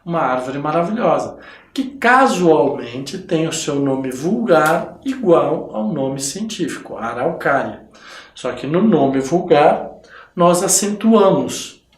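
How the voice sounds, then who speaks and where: Guy from brazil teaching biology, slow careful talk, echoey room. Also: on the high side, lively intonation. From southern Brazil. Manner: explains slowly, tags phrases with "tá?" and "né?". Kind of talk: recorded online lesson.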